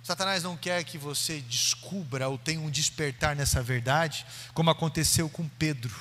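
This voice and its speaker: A man's voice: on the high side, moderate pace, a bit bright. A Brazilian man preaching a sermon in church, telling a story with dramatic acted-out voices. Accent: Brazilian Portuguese. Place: church sanctuary. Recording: long church hall reverb.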